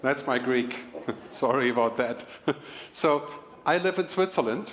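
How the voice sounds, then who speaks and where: A middle-aged man from Germany, giving a quick, energetic keynote to a live audience with small laughs and asides. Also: medium pitch. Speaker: keynote speaker.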